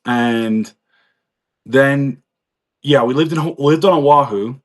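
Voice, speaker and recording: Speaking slowly in a medium-pitched voice, this guest on a live chat, a US man in his forties, tells his life story casually and meanders along, laughing often.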